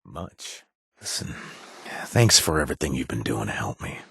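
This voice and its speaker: An actor playing a gruff, washed-up ex-raider who now runs a bar, sardonic and joking one moment, earnest and grateful the next, in video game voice lines. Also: male voice, rumbling low, big pitch swings, moderate pace, sharp tone, no room sound, studio quality, heavily acted. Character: gruff washed-up male ex-raider bartender, wry. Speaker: game companion character.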